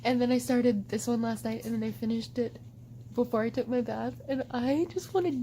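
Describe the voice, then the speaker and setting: A woman book vlogger chatting casually to camera at home, animated and overdramatic, with lots of "like". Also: a little high, brisk, slight background noise, rough recording. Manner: animated and overdramatic, heavy use of "like". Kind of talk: casual vlog chat to camera.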